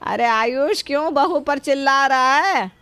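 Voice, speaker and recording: A woman's voice: sits high, measured pace, fairly bright tone, no room sound. A middle-aged woman playing a kind, protective mother-in-law who scolds yet shields her daughter-in-law.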